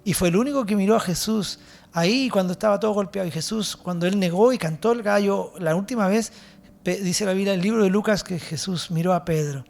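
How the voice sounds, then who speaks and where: A man's voice: high-pitched, fairly quick, creaky, darkish tone. Fervent Chilean man preaching. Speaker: pastor. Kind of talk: sermon.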